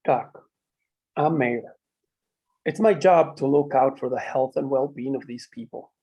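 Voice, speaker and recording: Man playing a husky, mellow, persistent mayor. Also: mid-range voice, measured pace. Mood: probing. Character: calm, persistent small-town mayor pressing for truth. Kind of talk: screenplay table read.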